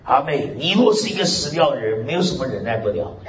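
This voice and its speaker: Guy pastor preaching hard, pitch all over the place, lots of hallelujah amen, dull lo-fi sound. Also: very animated, fast talker, crowd noise. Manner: emphatic preaching, frequent hallelujahs and amens. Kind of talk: sermon. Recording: echoey hall, dull lo-fi sound.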